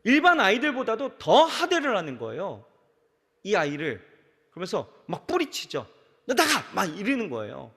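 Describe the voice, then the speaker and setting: A man's voice: high-pitched, normal speed. A pastor preaching a sermon to his congregation, speaking right to them and acting out the voices of the people in his stories. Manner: animated preaching, acts out quoted voices, addresses congregation directly. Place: large church sanctuary. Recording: reverberant large church sanctuary.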